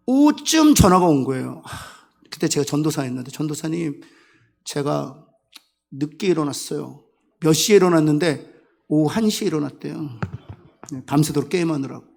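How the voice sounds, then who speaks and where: High, lively Korean pastor preaching. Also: male voice, creaky. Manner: emotional storytelling, swings from quiet to emphatic. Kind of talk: sermon.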